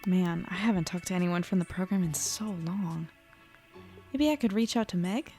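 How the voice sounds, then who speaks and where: A woman's voice: lowish voice, moderate pace, dark tone, soft background music, natural voice. A woman playing an earnest, anxious small-town newspaper reporter in an audio drama, conversational, musing and unsure of herself. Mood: pensive. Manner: conversational, musing, self-doubting. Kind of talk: naturalistic audio drama podcast acting.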